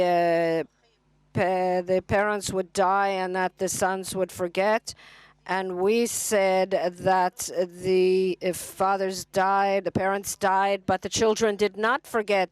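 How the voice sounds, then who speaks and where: A woman interprets a speech at a conference, speaking slowly in a smooth, clear voice. She halts often, restarts her phrasing and fills the gaps with brief fillers. The sound is close and dry. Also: medium pitch, fairly even intonation, dry recording. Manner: halting, with frequent restarts and fillers. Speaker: simultaneous interpreter. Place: conference hall.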